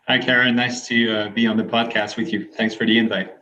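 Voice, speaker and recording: A male physiotherapy researcher with a low voice, explaining clinical ideas in a thoughtful, steady way. His audio sounds dull and lo-fi, like a remote recording. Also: fairly quick, a little hiss or hum. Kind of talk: interview answers.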